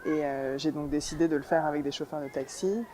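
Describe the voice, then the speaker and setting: A woman's voice: sits low, level tone, fairly quick, mellow, a little hiss or hum. Hesitant thoughtful woman filmmaker. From New York, United States. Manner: thoughtful, hesitant, searching for words. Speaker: documentary filmmaker. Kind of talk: reflective interview answer.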